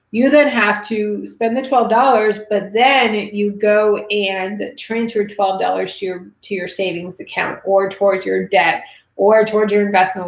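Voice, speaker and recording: A woman in her thirties hosting a casual livestream, chatting and reading viewer comments, her voice going raspy. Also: mid-range voice. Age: 30s. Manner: chatty, reads viewer comments, many fillers. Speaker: livestream host answering money questions. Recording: roomy echo.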